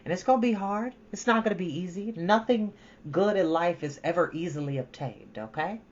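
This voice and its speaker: A woman's voice: fairly low pitch, expressive, a little fast, a little mellow, highs cut off. A woman talking casually to her viewers as a storytime host, in an informal, emphatic, encouraging way.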